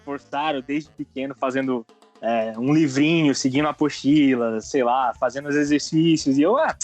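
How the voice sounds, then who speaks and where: A man's voice: medium pitch, moderate pace, darkish tone, no room sound, soft background music. A man chatting informally on a podcast, with a slangy, loose way of talking. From United States and Brazil. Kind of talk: casual chat.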